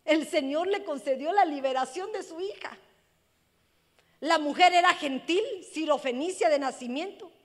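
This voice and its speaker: Brief: high-pitched woman pastor, fervent sermon, lingering church-hall reverb. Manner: impassioned, swings from loud cries to hushed speech.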